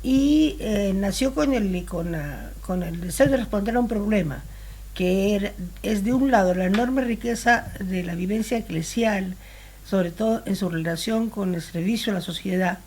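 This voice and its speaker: An older woman in her sixties, originally from Spain, answers interview questions in an easy conversational way. Her voice is husky and sits at a middle pitch. She often pauses and restarts while she looks for the right phrase. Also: a little mellow. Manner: thoughtful, searches for words with many pauses. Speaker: interview guest.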